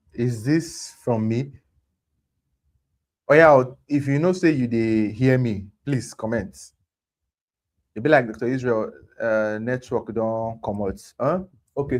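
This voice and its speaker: A man's voice: medium pitch, darkish tone. A Nigerian man speaking Nigerian Pidgin mixed with English as he hosts a live health talk, explaining conversationally and emphatically with repeated phrases.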